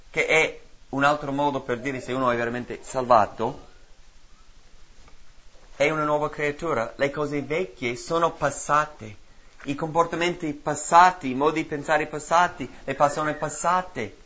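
A man with a slightly high voice preaches a sermon in a rhythmic, repetitive cadence, swinging from loud, emphatic lines to hushed drops. The audio sounds dull.

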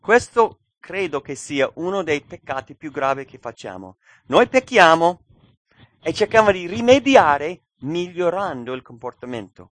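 A man's voice: fairly high pitch, very animated, unhurried, a bit bright, no echo. A man preaching a sermon in an earnest, emphatic way, often asking rhetorical questions.

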